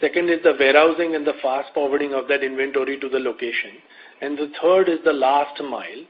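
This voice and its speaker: A man speaking as a company executive, explaining things to investors on a conference call in a measured, methodical way. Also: mid-range voice. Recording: muffled lo-fi conference call audio.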